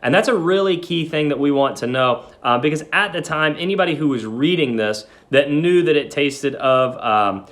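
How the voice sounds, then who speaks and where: Male teacher, fairly high voice, lively intonation, story reading, informal explaining. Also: moderate pace, hardly any pauses.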